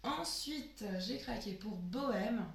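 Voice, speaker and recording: Hoarse-voiced woman chatting in an echoey room. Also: a little high, lively intonation, slow, heavy background noise. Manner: chatty, sniffling, trailing off with many fillers. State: sick, hoarse voice. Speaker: beauty vlogger. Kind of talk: casual product haul.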